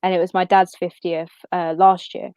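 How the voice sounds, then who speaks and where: A woman's voice: lowish voice, little pitch movement, normal speed, darkish tone, smooth, dry recording. Chatty young woman, dry close sound. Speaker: interview guest. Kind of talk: casual chat.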